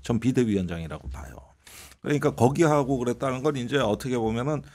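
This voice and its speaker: A man giving political commentary on a talk show, in an animated, drawn-out analytical way. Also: mid-range voice.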